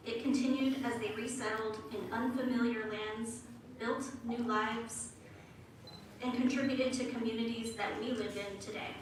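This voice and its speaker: Earnest woman speaking in an echoey hall. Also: a little high. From United States. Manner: measured, earnest delivery from a prepared text. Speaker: guest speaker. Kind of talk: prepared speech at a commemoration. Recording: echoey hall, voice from far off, noisy.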